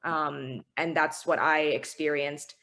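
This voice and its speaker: A woman's voice: sits low, steady tone, takes it slowly, bright, forceful tone. A woman in her twenties, whose first language is Chinese, speaking earnestly and reflectively as an interview guest. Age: 20s. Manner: earnest, reflective, with small laughs. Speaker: guest author. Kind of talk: interview conversation.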